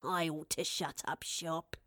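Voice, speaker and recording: A woman's voice: deep voice, steady tone, measured pace, fairly bright tone, no echo, pitched below the performer's own voice. Lady doing a kindly old shop man, teasing and a bit grumbly, storybook, dry close sound. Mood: grumbling. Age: older. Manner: old-fashioned British turns of phrase, fond and teasing. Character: kindly elderly male map-shop keeper, playful and grumbling.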